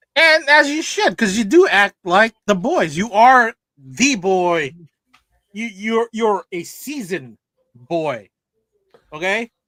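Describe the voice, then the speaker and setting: Raised and projected, a man's high voice with a bright, sharp tone swings very widely in pitch at a very slow pace, broken by long, frequent pauses, in a dry, close sound with no echo. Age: 40s. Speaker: podcast co-host. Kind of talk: casual chat.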